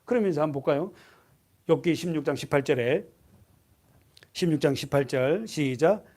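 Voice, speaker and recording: Man, pastor, high voice, middle-aged, Sunday sermon, questions to the congregation, loud-to-hushed swings. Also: normal speed. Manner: swings from loud urgent emphasis to hushed near-whispers; asks the congregation questions and has them underline verses. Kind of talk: expository sermon. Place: church sanctuary.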